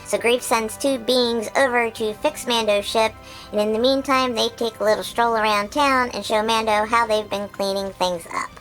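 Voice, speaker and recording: A woman voicing an excitable, childlike male creature who hosts a chatty episode recap, bubbly and full of giggles and squeals. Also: on the high side, normal speed, faint music behind, natural voice, rough recording. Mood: excited recap. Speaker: recap host.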